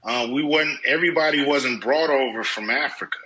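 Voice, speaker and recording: A man reflecting on family history, speaking haltingly with many fillers. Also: medium pitch, pushed and bright, highs cut off, slight background noise. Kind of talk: reflective interview talk.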